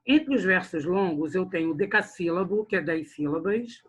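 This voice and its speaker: Animated and a bit bright, this man's husky voice sits high and moves at normal speed. He's giving a literature lesson online, speaking right to the class and regularly tagging his sentences with "né?" and "olha só" to check in.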